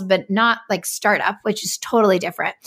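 Speaking at a fairly quick pace, a woman's voice sits fairly high. The recording is very clean, with a silent background. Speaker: life coach and motivational speaker. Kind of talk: interview. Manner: confident.

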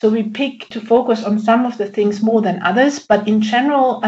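Fairly high-pitched, somewhat breathy woman's voice. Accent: German. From Austria. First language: German. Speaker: company executive. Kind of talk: interview.

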